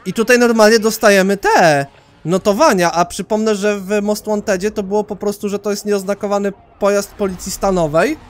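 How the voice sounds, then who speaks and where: A man from Poland hosting a let's play, rambling excitably and swearing casually as he plays. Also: high-pitched, brisk.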